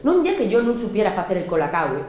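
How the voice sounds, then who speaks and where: A woman's voice: mid-range voice, fast, echoey room, a little hiss or hum. Asturian woman telling a child's tale. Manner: plays a small girl, lively and mock-dreamy. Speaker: storyteller. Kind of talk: theatrical storytelling monologue.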